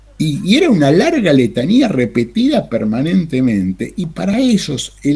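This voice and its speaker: Somewhat breathy and dark, mellow in tone, a man talks at a fairly slow pace with a Rioplatense accent and a fairly high pitch. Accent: Argentine Rioplatense Spanish. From Argentina. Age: 60s. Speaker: history teacher. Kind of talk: lecture. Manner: halting.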